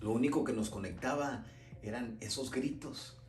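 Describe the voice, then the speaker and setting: A man's voice: mid-range voice, normal speed, darkish tone, roomy sound, soft background music. A man telling a Christian testimony as a dramatic story, emphatic and repeating words for effect.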